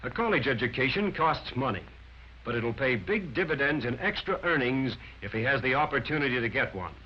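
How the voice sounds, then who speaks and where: A man narrates a 1940s sales training film, lecturing emphatically and counting off his points one by one. His mid-range voice is expressive and brisk, heard through a dull lo-fi 1940s film soundtrack with slight background noise.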